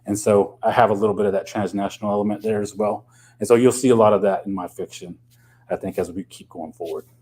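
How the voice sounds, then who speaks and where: A man's voice: lowish voice, fairly even intonation, quick pace, a little mellow, husky. A middle-aged man from Oklahoma, a novelist, talking loosely and thoughtfully in a radio interview, with many ums and you-knows. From Oklahoma, USA. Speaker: novelist guest.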